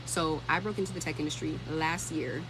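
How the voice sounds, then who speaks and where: A woman's voice: low-pitched, steady tone, fairly quick, background noise. A thirty-year-old woman hosting a casual livestream, talking informally and thinking aloud as she answers comments. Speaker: livestream host and tech career content creator.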